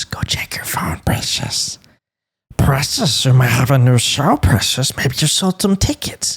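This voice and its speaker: A man's raspy, put-on character voice at medium pitch, at a fairly slow pace. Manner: obsessive, wheedling.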